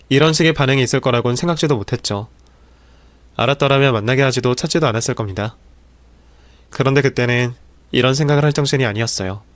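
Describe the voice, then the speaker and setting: A man reading a dramatic real-life story as scripted narration, in a steady telling voice. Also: mid-range voice, dry recording.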